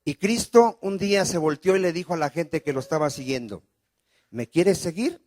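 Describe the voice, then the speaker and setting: A man's voice: a little high, a little fast, a little mellow, dry recording. A man preaching a sermon as pastor, often asking the congregation questions and calling for amens. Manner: preaching with call-and-response questions.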